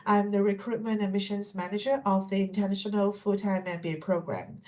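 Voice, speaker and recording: A middle-aged woman from Hong Kong presents as a webinar host. She speaks at a medium pitch in an informal, semi-scripted way, chatting to the attendees as she goes. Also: fairly even intonation, a little fast, a little mellow. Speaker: webinar host and MBA admissions manager.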